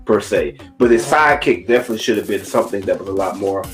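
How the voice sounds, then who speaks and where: Expressive man in casual movie review chat. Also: lowish voice, fast, faint music behind. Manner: expressive, acts out quotes, often seeks agreement.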